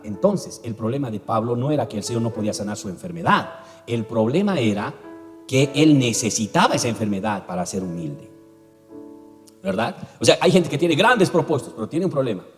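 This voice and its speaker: A man's voice: medium pitch, very animated, fairly quick. A man preaching a sermon as pastor, telling stories emphatically and often checking in with his listeners. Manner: emphatic storytelling preacher with frequent tag questions. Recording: echoey hall with faint music.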